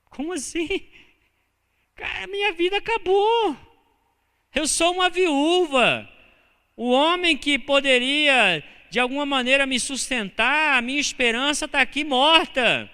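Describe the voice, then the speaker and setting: A man's voice: very high voice, animated, unhurried, sharp tone, pitched above the performer's own voice, heavily acted. A man voicing a grieving widow who scoffs in despair at being told to stop crying. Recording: church hall reverb.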